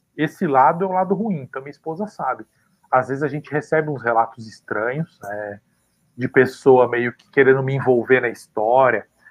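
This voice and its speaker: A man's speech with long, frequent pauses, big swings in loudness and ordinary pitch variation. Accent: São Paulo. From Brazil, São Paulo city. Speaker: paranormal storyteller and author. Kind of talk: casual interview chat. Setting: live video stream.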